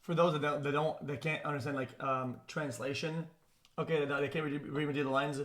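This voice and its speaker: A man's voice: on the high side, little pitch movement, brisk, fairly bright tone. A man streaming live, ranting at his chat in reaction to a video, full of restarts, repeated words and swearing.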